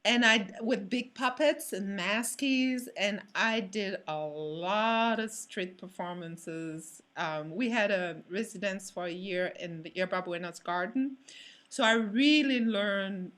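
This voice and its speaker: A woman's voice: mid-range voice, fairly bright tone. A woman from France with a French accent, talking casually in an interview and often searching for words. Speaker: physical theater performer.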